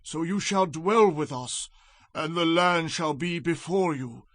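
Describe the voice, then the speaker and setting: A formal tribal elder in a scripture audio drama. His voice is a little high, recorded very dry, and he speaks with measured deliberation. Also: a bit bright, dry recording. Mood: courteous, persuasive.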